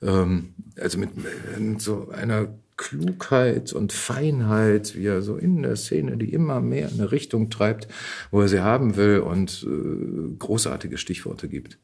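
A man's voice: fairly low pitch, animated, measured pace, gravelly, a little mellow, husky. A man with a German accent speaking as an actor guest in a casual interview, searching for phrases and repeating words as he goes.

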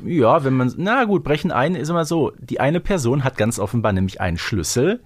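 A man's voice: medium pitch, expressive, fairly quick. A man co-hosting a podcast, casually retelling and discussing in a chatty, colloquial way with frequent tag questions. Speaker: podcast co-host. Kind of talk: casual retelling and discussion of an audio drama episode.

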